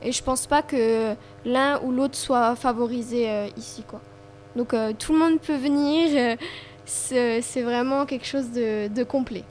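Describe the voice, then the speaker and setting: A young woman with a high-pitched voice moderates a casual student discussion. She speaks conversationally and hesitates as she searches for words. A faint hum and some noise sit behind her. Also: measured pace, a little mellow. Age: young adult. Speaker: student host of a round-table discussion.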